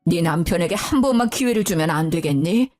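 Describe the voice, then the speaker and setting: A woman voicing an elderly father-in-law who speaks low and gently when soothing and bellows when scolding. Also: lively intonation, a little fast, faint music behind, natural voice. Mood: gentle pleading. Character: stern elderly father-in-law, calm then furious.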